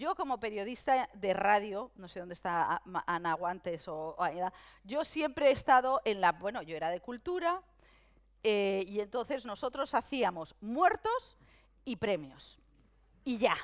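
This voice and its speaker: In a quiet background, a woman speaks fairly high and fairly slowly, animated in tone, with very wide pitch swings and big swings in loudness. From Madrid, Spain; Spain. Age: 50s. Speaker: film critic and journalist; journalist. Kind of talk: conference talk. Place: stage. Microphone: headset.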